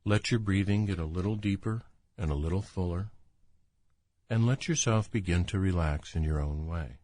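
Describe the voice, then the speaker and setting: A man with a deep, low voice guides a relaxation meditation. His delivery is calm, soothing and unhurried. The recording is dry and close, with no room sound. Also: no room sound. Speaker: doctor guiding a relaxation exercise.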